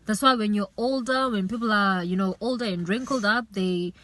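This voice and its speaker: A woman's voice: mid-range voice, normal speed, fairly bright tone, no room sound. A woman giving an earnest, faith-based motivational talk as a vlogger, urging and repeating herself, with plenty of "you know".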